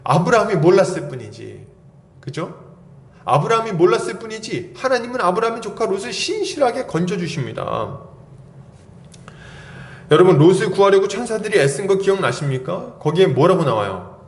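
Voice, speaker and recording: A man preaching a sermon in church, animated, acting out quoted voices and sound effects. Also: high-pitched, moderate pace. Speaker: pastor. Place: church sanctuary. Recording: roomy church echo.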